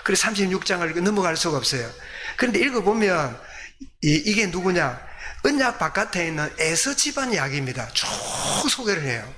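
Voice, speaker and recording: A man delivers a church sermon in a fairly high, forceful, bright voice. He teaches through rhetorical questions that he answers himself. There is noticeable noise behind him. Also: big pitch swings, fairly quick. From South Korea. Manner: didactic, asks questions and answers them himself. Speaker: pastor. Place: church service.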